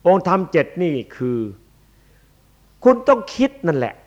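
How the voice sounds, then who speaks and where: A man's voice: high-pitched, big pitch swings, moderate pace. A man, a Buddhist monk, giving a dharma sermon in a blunt, emphatic, demonstrative way. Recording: dull lo-fi archive recording.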